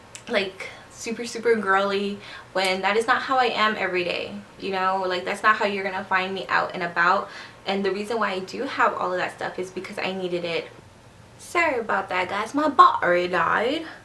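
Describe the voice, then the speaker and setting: A woman at a medium pitch and a fairly quick pace, ordinary pitch variation, with audible room echo. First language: Spanish. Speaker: beauty vlogger. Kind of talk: casual chat. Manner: slurred words.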